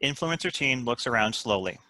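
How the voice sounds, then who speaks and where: Bright-voiced man reading stage directions. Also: mid-range voice, expressive, fairly quick, dry recording, soft background music. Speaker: host, writer and stage directions reader. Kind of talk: scripted narration of stage directions.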